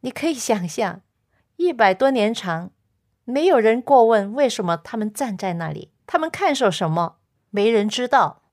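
A woman hosting a Christian radio program, telling a story softly and earnestly and speaking directly to her listeners. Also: a little high, sing-song, moderate pace.

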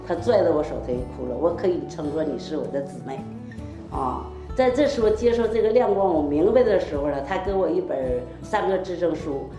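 A woman's voice: low voice, fairly quick. An older woman gives a heartfelt, rambling personal testimony full of quoted dialogue. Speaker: church member giving testimony. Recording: echoey room, faint music behind.

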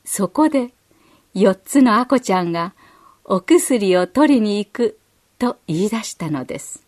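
A woman narrating a children's story in a gentle, measured storytelling manner. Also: mid-range voice, expressive. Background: faint music.

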